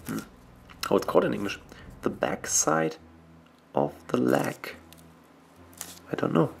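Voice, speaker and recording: Slow, gravelly German-accented man. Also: mid-range voice, big pitch swings, slight background noise. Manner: slow, hesitant, searching for words with many ums. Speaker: miniature painting tutor. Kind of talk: casual talk while painting.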